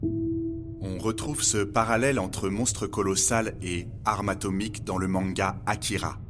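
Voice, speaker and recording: A male actor as a knowledgeable guide who lays out old myths of humankind. He speaks in a measured, didactic way, as in a documentary audio drama, with music playing clearly behind him. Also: on the low side, steady tone, lightly acted.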